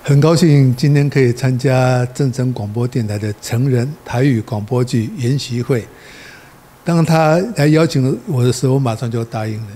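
A man's voice: mid-range voice, steady tone, normal speed, warm tone. A Taiwanese-accented man in his sixties speaking Mandarin casually as an interviewed guest. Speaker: songwriter and dentist, guest lecturer. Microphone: handheld reporter microphone.

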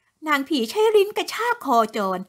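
A woman narrating a horror story in an expressive storytelling manner. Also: brisk.

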